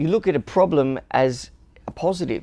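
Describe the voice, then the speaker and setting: A man with an Australian accent speaks with lively intonation and vocal fry. The background is quiet. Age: 20s. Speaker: business owner. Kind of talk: interview.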